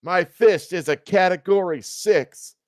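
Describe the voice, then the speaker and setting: A man's voice: high voice, measured pace, no room sound, studio quality, pitched above the performer's own voice. A man voicing a swaggering, smug and seductive heroic cartoon cat in a storybook reading. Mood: righteous, mighty.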